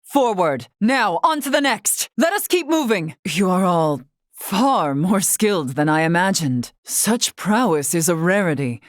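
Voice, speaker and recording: A woman voicing a dignified, wise older tribal leader and warrior in a video game, with formal, archaic, measured diction. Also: lowish voice, expressive, no echo, clean studio sound. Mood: resolute. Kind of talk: scripted video game voice acting.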